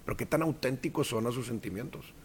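A man with a Mexican accent, a guest actor in a casual interview, telling animated stories and acting out quoted voices. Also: mid-range voice, fast talker, slight background noise.

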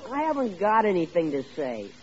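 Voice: medium pitch, wildly swooping pitch, brisk, heavy background noise. An actor playing an agreeable, earnest young son in an old-time radio sitcom. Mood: earnest, compliant. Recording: dull vintage radio recording before audience.

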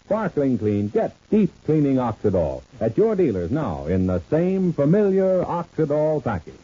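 An old radio announcer, a man with a dark, husky voice and very lively pitch. He sells with emphatic, scripted phrasing on a dull vintage broadcast recording. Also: normal speed. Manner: emphatic salesman delivery with repeated slogans.

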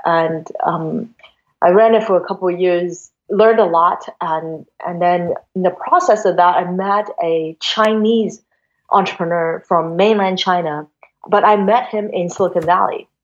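Hong kong woman in her 40s rambling through her career story, lowish voice, muffled sound. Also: steady tone, unhurried. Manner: chatty, many fillers and restarts. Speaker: guest, venture investor. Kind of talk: casual interview storytelling. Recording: dull lo-fi sound.

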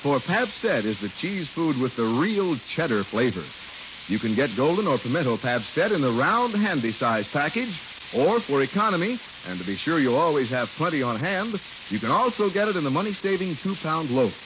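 Emphatic male radio announcer, lively pitch, old dull broadcast sound. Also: moderate pace, noisy background. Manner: hearty, emphatic.

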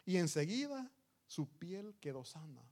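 A man's voice: on the high side, big pitch swings, a little slow, a little mellow. A man preaching a sermon in an earnest, emphatic manner, speaking to the congregation as his brothers.

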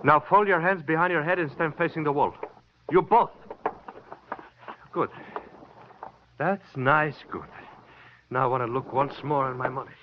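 An actor playing a menacing gangster who speaks slow, broken English and gloats, in 1950s radio drama acting. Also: male voice, on the high side, slight background noise, natural voice. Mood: gloating. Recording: dull lo-fi old radio recording.

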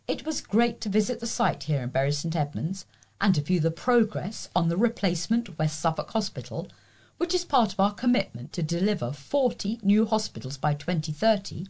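A woman's voice: fairly low pitch, darkish tone, breathy edge. A woman with a British accent reading local news aloud as a volunteer newsreader.

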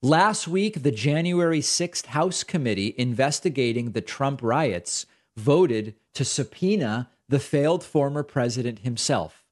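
A middle-aged man from the United States hosts a political commentary show with a sarcastic, exasperated edge. His voice sits at an ordinary middle pitch, and his talk runs loose and conversational, with asides and flat put-downs. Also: unhurried. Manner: sarcastic, exasperated, reads quotes aloud with emphasis.

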